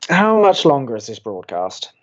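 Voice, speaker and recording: A man's voice: medium pitch, sing-song, normal speed, dull audio, close to an everyday voice. A man playing a wry, sceptical young college radio co-host in an audio comedy, with a dry, teasing delivery. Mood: wry, grumbling. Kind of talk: audio drama romantic comedy dialogue.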